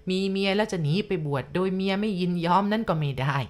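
A woman telling a first-person ghost story at a slow, confiding pace, speaking straight to the listener. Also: mid-range voice.

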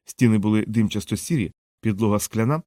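A man reading an audiobook in a measured, even narration. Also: on the low side, dry recording, studio quality.

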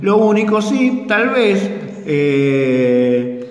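A man's voice: high voice, big pitch swings, drawn-out words, darkish tone. South American man in an echoey room. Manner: hesitant, many "eh" fillers, storytelling tone. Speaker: radio show host. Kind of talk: casual explanatory radio chat. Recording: echoey room with long reverb.

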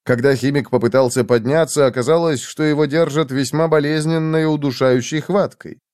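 Male audiobook narrator: lively, expressive, fairly high voice, dry recording. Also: brisk, no echo.

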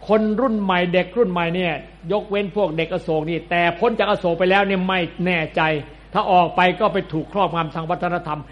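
A man's voice: sits high, fairly quick, hardly any pauses, lo-fi sound. A man, a Buddhist monk, giving a sermon in a blunt, colloquial, scolding way.

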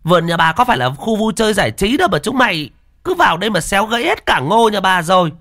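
A man voicing a shrill middle-aged village woman who scolds loudly and fast. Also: sing-song, dry recording, studio quality, exaggerated voice. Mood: scolding. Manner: loud, rapid scolding.

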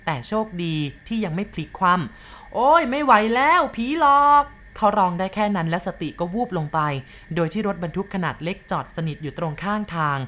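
A woman's voice: lowish voice, brisk. Woman narrating a ghost story. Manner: steady, dramatic reading.

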